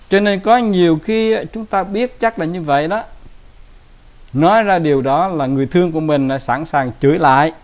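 A man giving a Buddhist dharma talk in a plain, conversational way with gentle humor. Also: on the high side. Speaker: Buddhist teacher. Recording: dull lo-fi recording.

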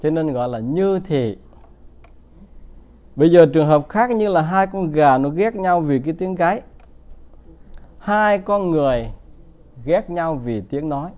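A man's voice: fairly high pitch, lively intonation, a little slow, long pauses. Man giving a dharma talk. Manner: storytelling, asking the audience for agreement. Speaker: Buddhist teacher. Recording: tinny phone-like sound.

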